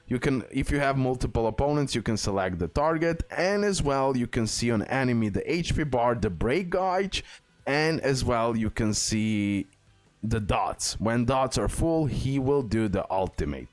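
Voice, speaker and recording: A man giving casual video game tutorial commentary as a guide host, with non-native English phrasing and a habit of repeating himself. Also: medium pitch.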